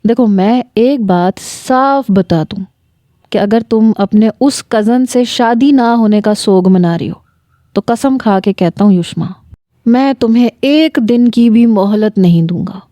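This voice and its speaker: A woman's voice: a little high, dark tone, no room sound, lightly acted. A woman voicing a demanding, suspicious young husband who scolds his wife in a narrated story. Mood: angry, demanding.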